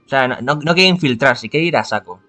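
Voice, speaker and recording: A man from playing a visual novel, reading the text aloud and thinking out loud between choices. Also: medium pitch, lively intonation, soft background music. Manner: chatty, thinks aloud, halting restarts. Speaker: let's-play host.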